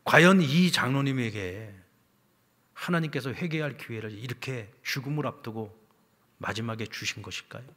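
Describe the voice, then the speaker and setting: Man, pastor, husky voice, long echo of a church hall, storytelling sermon, loud then hushed. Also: medium pitch, moderate pace. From South Korea. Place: church sanctuary.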